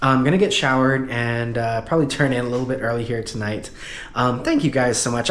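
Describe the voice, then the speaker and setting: A man's medium-pitched voice at a fairly quick pace, with audible room echo. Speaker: car YouTuber. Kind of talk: vlog, casual talk to camera. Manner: hesitant, many fillers and repeats.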